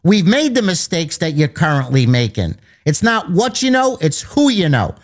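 A man hosting a sports betting radio show, rattling off lines and numbers as he pitches his picks. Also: big pitch swings, moderate pace. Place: East Coast of the United States.

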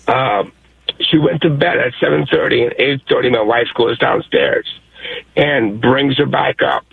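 A hoarse, excited man from New York calling in to a sports show, rambling with lots of fillers. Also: medium pitch, unhurried, no room sound. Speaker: caller. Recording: tinny phone line.

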